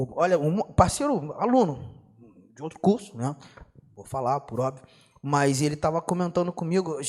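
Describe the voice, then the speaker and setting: A young adult man with a Brazilian Portuguese accent giving an exam-prep law lecture, slangy and animated, constantly asking students rhetorical questions. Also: fairly high pitch. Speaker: law teacher.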